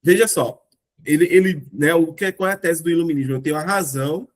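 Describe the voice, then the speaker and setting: A man's voice: a little high, fast talker. A Brazilian man hosting a casual philosophy discussion, explaining ideas with rhetorical questions and frequent tag questions. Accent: Brazilian Portuguese. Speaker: discussion group host.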